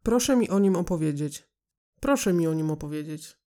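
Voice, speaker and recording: A woman runs through scripted lines in an informal rehearsal. Her voice is on the low side, with a dark, mellow tone. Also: lively intonation, moderate pace.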